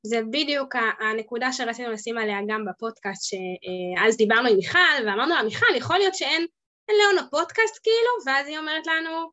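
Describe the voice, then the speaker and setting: A woman in her twenties co-hosting a student podcast on a video call, telling stories in a bubbly, animated way. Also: high-pitched. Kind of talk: casual video call chat. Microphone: laptop webcam on a video call.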